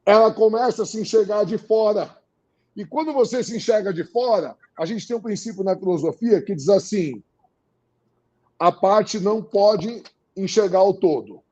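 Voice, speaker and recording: A man with a Brazilian Portuguese accent talks at a fairly high pitch in a dark, mellow tone. He is animated and emphatic, driving his points home by repeating phrases. The recording is a little dull and muffled. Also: moderate pace. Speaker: guest. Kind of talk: casual interview talk.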